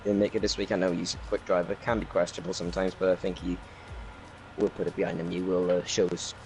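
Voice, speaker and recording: A Welsh man with a low, flat voice runs loosely through his race, with plenty of ums and restarts. He talks casually into a home microphone, and faint music plays underneath. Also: quick pace. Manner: rambling race recap with many fillers. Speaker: racing league driver. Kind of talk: casual post-race chat. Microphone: new home microphone.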